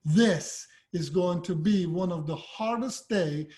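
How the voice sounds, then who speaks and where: Man, high voice, dog trainer, casual and direct. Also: slow pace, dark tone. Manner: friendly, direct, loose and conversational. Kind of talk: casual tips video.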